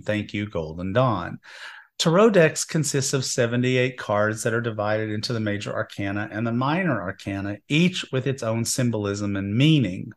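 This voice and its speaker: Male host, casual and wry, a little hoarse from a cold, mid-range voice. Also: medium pitch. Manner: chatty, wry asides. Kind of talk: casual spiritual talk show. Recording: internet radio show.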